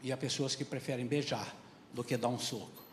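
A male pastor preaching a sermon with fervent, emphatic delivery that rises into shouts. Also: mid-range voice, steady tone, fairly quick, big-room sound, slight background noise. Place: church sanctuary.

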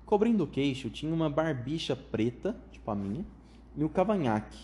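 A man reading a children's book aloud in a measured storytelling manner. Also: a little high, sing-song, mellow, a little hiss or hum.

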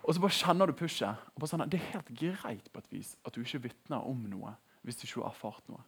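A young man giving a casual, animated sermon in a conversational tone. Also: mid-range voice, breathy edge. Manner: conversational, animated, laughing at his own jokes. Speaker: preacher.

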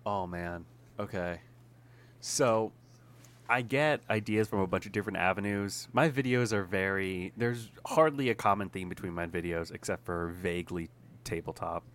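A young man, a guest on a casual podcast, telling animated stories and laughing often. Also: sits low, moderate pace. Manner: animated storytelling with frequent laughs. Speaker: guest YouTuber.

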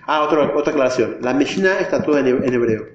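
A man's voice: medium pitch, lively intonation, fast, slight background noise. A man teaching a class, explaining step by step and quizzing his students. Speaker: religion teacher. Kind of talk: classroom lesson. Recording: echoey, dull lo-fi room recording.

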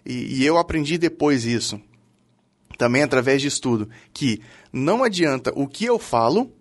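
A man's voice: mid-range voice, expressive, moderate pace. A man hosting a Christian talk, reflecting on his own experience. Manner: reflective, personal. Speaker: host.

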